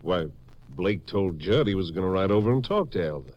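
A man's voice: low-pitched, animated, a little fast. A man playing a folksy small-town sheriff and loyal sidekick, casual and inquiring, in a 1950s radio western. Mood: puzzled, inquiring. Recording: dull, muffled old radio recording.

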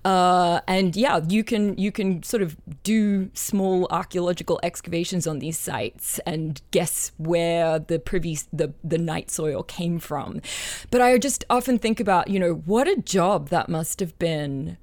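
A woman with an Australian accent, chatting as a podcast guest, excitable and quick to laugh. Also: lowish voice, no echo. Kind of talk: casual chat.

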